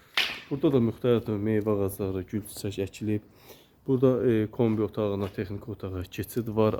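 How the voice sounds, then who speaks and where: At a moderate pace, a man speaks in a fairly low pitch with a dark, mellow tone and fairly even intonation. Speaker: real estate agent. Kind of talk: property tour video. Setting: walking tour of a house.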